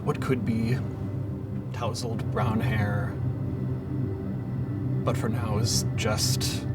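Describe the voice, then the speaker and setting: A man improvising poetic narration as a player, hushed and halting, pausing between short phrases. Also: lowish voice, little pitch movement, far from the mic. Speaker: roleplaying player. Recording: prominent music over the voice.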